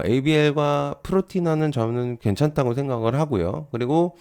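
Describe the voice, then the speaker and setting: Lively conversational male stock commentator. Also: mid-range voice. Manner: conversational, frequent fillers and rhetorical checks. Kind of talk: casual market commentary.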